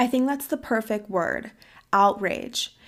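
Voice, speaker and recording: In a very clean recording with a silent background, a woman with an American accent talks at a fairly slow pace in a fairly high voice with ordinary pitch variation. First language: Farsi. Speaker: podcast host. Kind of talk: podcast interview.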